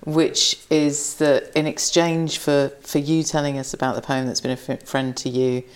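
A woman's voice: sits low, flat delivery, normal speed, clear, resonant tone. A woman hosting a podcast, talking conversationally and explaining things. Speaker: podcast host. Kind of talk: conversational interview and discussion.

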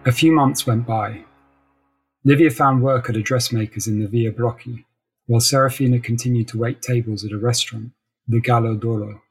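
A man narrates literary fiction in a measured storytelling style. His voice sits at a middling pitch and has a husky, less polished grain. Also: low-quality recording. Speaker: narrator reading a short story.

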